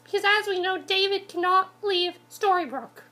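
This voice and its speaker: A woman's voice: very high voice, normal speed, pushed and bright. A woman casually reviewing a TV episode, congested from a cold, rambling with many ums and restarts.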